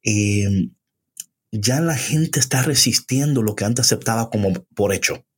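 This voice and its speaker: A man talks through scripture in a conversational teaching style, with a slightly husky, unpolished voice. He speaks Spanglish, dropping short English phrases into Spanish, and doubles back on words to stress them. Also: lowish voice, measured pace. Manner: emphatic, repeats words and phrases. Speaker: podcast co-host teaching from the Bible.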